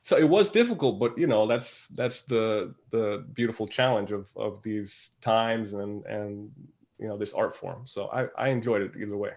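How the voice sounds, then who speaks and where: A man's voice: fairly low pitch, normal speed, a little mellow. A man, an actor on a panel, speaking in a casual, reflective and informal way.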